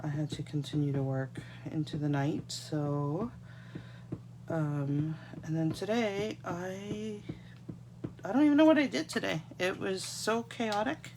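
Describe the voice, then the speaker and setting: A Canadian woman who is congested and getting a cold chats with viewers while demonstrating card-making at her craft desk in a casual live tutorial. Her voice is on the low side and measured in pace, with a noisy background, and the overhead camera on the desk shows only her hands.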